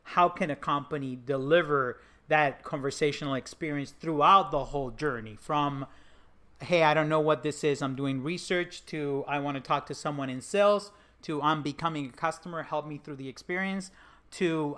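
Male interviewer, pitch a little above average, conversational podcast hosting. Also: normal speed, a bit bright.

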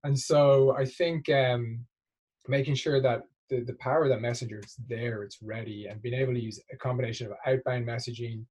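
A man's voice: mid-range voice, fairly even intonation, a little fast, darkish tone, slightly rough. A man speaking as an executive guest in a business interview, explaining conversationally and often checking in with tag questions.

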